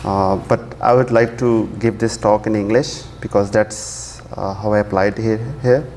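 This technical conference talk comes from a man at a podium in a large, dark auditorium. His first language is Urdu, and he's relaxed, using plenty of fillers and restarts. His voice is on the low side at a moderate pace, with long hall reverb, faint ambience, and slight background noise.

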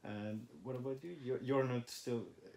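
With a medium-pitched, creaky, slightly mellow voice, fairly even intonation and a moderate pace, a young Finnish man chats informally on his language-study vlog. A native Finnish speaker, he sits on a living room sofa thinking aloud with fillers, with a camera in front of the couch.

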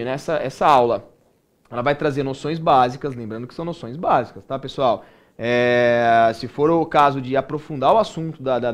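Brazilian male teacher with a somewhat high voice and a relaxed, conversational way of explaining, checking in often with students. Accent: Brazilian Portuguese. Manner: casual, keeps checking in with "né?" and "tudo bem?". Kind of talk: recorded online grammar lesson.

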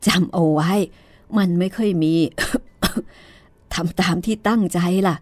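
A woman voicing a man who fakes a father's ghost in a slow, deep voice, coughing as he goes. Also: no echo. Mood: solemn.

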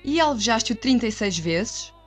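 A woman's voice: fairly high pitch, animated, moderate pace, faint music behind. A woman playing a stern, exasperated female boss in a comedic anime parody dub, dry and commanding, with a European Portuguese accent. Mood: dry disbelief.

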